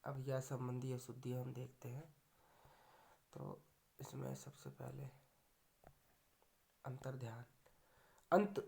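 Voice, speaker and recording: A man's voice: mid-range voice, flat delivery, slow pace, gravelly, pauses often, dark tone, a little hiss or hum. A man teaching a grammar lecture for exam students, going through correct and wrong spellings word by word.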